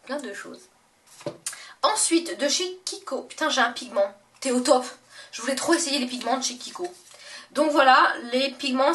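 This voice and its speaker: A young woman with a fairly high voice gushes over her beauty products in a relaxed, chatty vlog. She trails into fillers and corrects herself often. Her voice sounds a little distant from the camera mic. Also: slight background noise. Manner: chatty and gushing, many fillers and self-corrections. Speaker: beauty vlogger. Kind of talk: casual makeup haul vlog.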